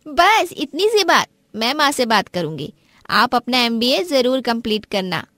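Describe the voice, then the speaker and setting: Casting: woman for an outspoken, kind young sister-in-law, animated drama, slightly high voice, dry sound. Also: a little slow, dry recording. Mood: friendly. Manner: persuasive, supportive. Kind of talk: animated family story acting.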